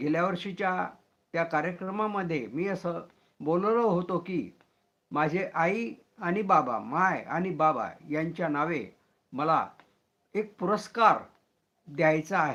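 Bright and sharp in tone, a man's high-pitched voice moves with ordinary pitch variation. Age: 70s. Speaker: rural novelist and writer. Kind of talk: video announcement to viewers. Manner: halting.

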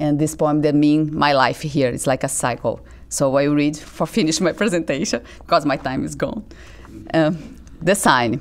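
A woman with a Brazilian accent speaks at a very deep, low pitch. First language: Portuguese. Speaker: artist and poet; poet. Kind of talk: presentation with poetry readings. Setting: live talk with audience. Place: stage. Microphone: podium.

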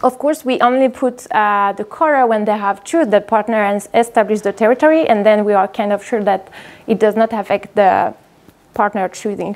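The voice is in a French accent with ordinary pitch variation. It moves at a moderate pace. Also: woman. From France. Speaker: PhD researcher in biology. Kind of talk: presentation talk with slides. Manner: halting with frequent fillers. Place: hall.

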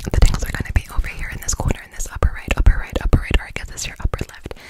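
Soft-spoken and whispering, the speaker goes at a very fast pace. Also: woman. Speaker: ASMR creator. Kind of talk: whispered ASMR chat. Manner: soft close-mic ASMR whisper. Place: home room. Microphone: studio mic.

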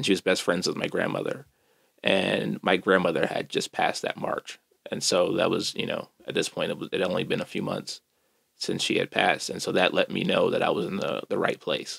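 Here a man talks in an American accent at a fairly quick pace. The sound is dry and close, with no echo. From Kansas City, Missouri. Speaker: tenant union organizer. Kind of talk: casual chat.

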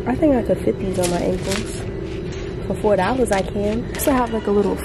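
A woman talks at a moderate pace with hardly any pauses. Loud background noise runs underneath. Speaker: shopping vlogger. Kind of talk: casual vlog chat. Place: shop. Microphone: phone near.

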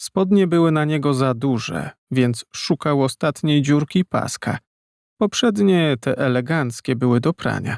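Man with a dramatic tone, fairly high pitch, ordinary pitch variation and a very slow pace. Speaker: audiobook narrator. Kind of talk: dramatic audiobook narration, reading fiction aloud. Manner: tense, suspenseful, measured pacing with dramatic pauses.

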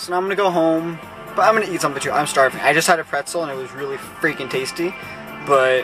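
Over clear background music, a man speaks at a very fast pace with ordinary pitch variation, the sound dry with no echo. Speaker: vlogger. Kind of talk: casual vlog chat. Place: car. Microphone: phone near.

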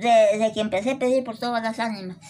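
A woman speaks at a high pitch over light background noise. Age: 80s+. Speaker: elderly woman being interviewed. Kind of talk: interview answer. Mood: warm, grateful, blessing viewers. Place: garden. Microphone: phone near.

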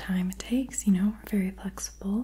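A woman speaks softly. Her tone is calm. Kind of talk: soft-spoken ASMR role-play. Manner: soft-spoken, calm ASMR doctor voice.

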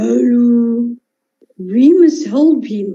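A woman speaks in a high, put-on character voice. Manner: bossy.

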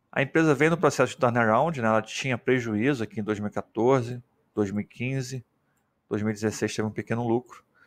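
In a very clean recording with a silent background and a dry, close sound with no echo, an unremarkable speaking voice moves at a moderate pace with ordinary pitch variation. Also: man, medium pitch for a man. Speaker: financial analyst and investment YouTuber. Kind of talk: tutorial. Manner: informal, frequent filler tags.

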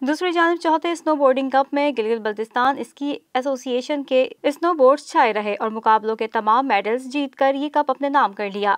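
A woman's high-pitched voice at a moderate pace with ordinary pitch variation, dry and close with no echo. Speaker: news anchor. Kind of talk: news reading, formal headline bulletin. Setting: studio. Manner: formal, brisk and even, steady newsreader delivery.

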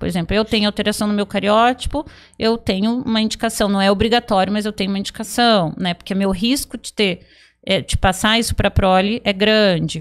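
Against a quiet background, a woman speaks at a fairly quick pace. Her medium-pitched voice keeps a fairly even intonation. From Paraná, Brazil (Londrina); Paraná, Brazil. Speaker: gynecologist, fertility doctor; guest. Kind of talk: podcast interview, explaining medical topic. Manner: hesitant with many fillers and repetitions. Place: studio. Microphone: studio mic.

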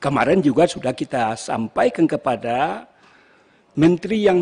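A somewhat breathy man at a fairly slow pace, with very wide pitch swings. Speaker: member of parliament; legislator questioning a minister. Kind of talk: parliamentary questioning. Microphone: podium.

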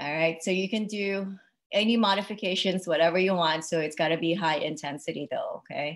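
A woman's plain, everyday voice, fairly low in pitch, with fairly even intonation. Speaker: fitness instructor. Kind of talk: class instruction. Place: garage. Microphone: video call.

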